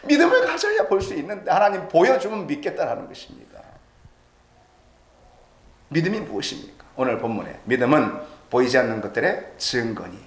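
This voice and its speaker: A man's voice: a little high, sing-song, a little fast, reverberant. A man preaching a sermon as pastor, in a dramatic style that rises and falls. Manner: dramatic preaching, voicing doubters' quoted lines. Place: church sanctuary.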